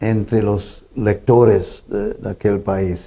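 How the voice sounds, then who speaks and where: A man speaks in a Tamil accent with a dark, mellow tone. His medium pitch carries fairly even intonation. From Sri Lanka. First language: Tamil (speaking Spanish). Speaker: poet. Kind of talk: interview. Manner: halting.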